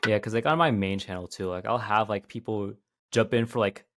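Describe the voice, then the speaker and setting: Low-voiced man in loose podcast chat. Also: a little fast, a bit bright. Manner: loose, filler-heavy, trailing off. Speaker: podcast co-host and video creator.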